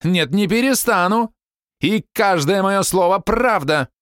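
A man voicing a quarrelsome woman in her forties, shrill and indignant as she nags and complains. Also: big pitch swings, fairly quick, no echo, studio quality. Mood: furious.

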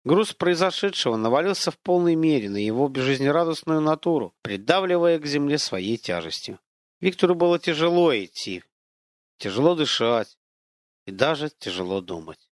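A man narrating an audiobook in an expressive, dramatic storytelling manner. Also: a little high, normal speed, no room sound, clean studio sound.

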